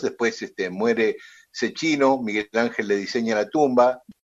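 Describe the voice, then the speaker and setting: Lively intonation runs through a man's plain, everyday voice at a medium pitch. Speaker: radio host. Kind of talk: casual chat. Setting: home studio.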